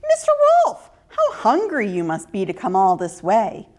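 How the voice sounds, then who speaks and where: A woman's voice: mid-range voice, huge pitch swings, a little slow, mellow. A woman voicing a brave, clever little girl in a children's story, speaking politely and persuasively. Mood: flattering, bright.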